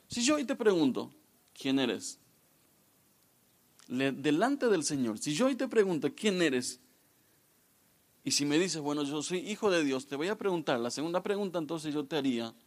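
Joking man preaching to young people. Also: fairly high pitch. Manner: lively, joking, talks straight to the audience. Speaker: guest pastor. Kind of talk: youth sermon with humorous stories.

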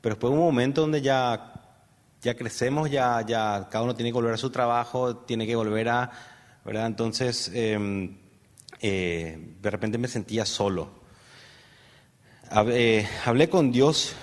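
A man with a Paraguayan Spanish accent tells his personal story as an interview guest. He rambles, with plenty of fillers and tag questions. His voice sits at a middle pitch, and a long reverb rings after it as if he were in a large hall. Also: unhurried, pauses often. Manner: rambling storyteller, many fillers and "¿verdad?" tags.

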